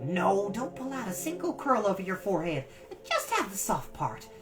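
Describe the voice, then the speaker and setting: A woman voicing a bossy, admiring teenage girl in a storybook, brisk and chatty as she fusses. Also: medium pitch, sing-song, pitched above the performer's own voice, close to an everyday voice. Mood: bossy, fussing. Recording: distant mic with music behind.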